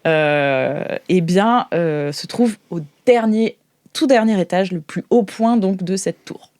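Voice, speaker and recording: A woman's voice: on the low side, takes it slowly, darkish tone, no echo, studio quality. A woman hosting an improvised tabletop game, narrating in a conversational, hesitant way as game master.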